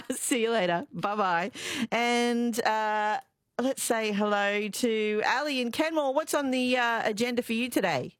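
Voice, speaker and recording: A woman's voice: fairly high pitch, measured pace, dry recording, studio quality. Chatty Australian woman radio host. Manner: chatty, laughs often. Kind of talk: talkback radio chat.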